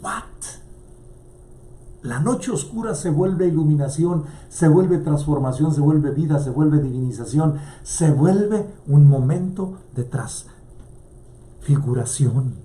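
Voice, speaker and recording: A man's voice: on the high side, takes it slowly, warm tone. A male priest preaching a sermon with passion, his voice rising and dropping as he quotes scripture. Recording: echoey room.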